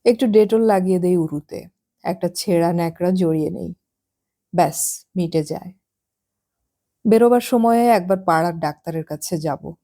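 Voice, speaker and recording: A woman narrating a literary novel as an audiobook. Her voice sits low and mellow, and she reads in a measured, reflective way.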